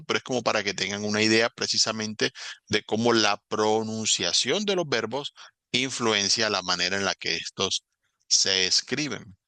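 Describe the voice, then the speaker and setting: Patient man teaching online, low voice with a keen edge, explains step by step. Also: bright, forceful tone, dry recording. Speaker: English teacher. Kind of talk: recorded online lesson.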